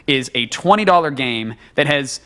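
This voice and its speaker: A man's voice: medium pitch, expressive, normal speed, bright, forceful tone. A man hosting a podcast, talking casually in a rambling way with restarts and bursts of laughter. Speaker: podcast host. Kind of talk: casual chat.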